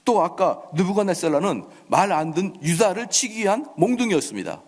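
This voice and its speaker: A pastor preaches with a lively, swooping voice that sits a little high for a man. He slips into acted voices to play out the scripture's characters. His words ring with the long reverb of a church sanctuary. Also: fairly quick. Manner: acts out the mocking king in dramatic voices. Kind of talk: sermon.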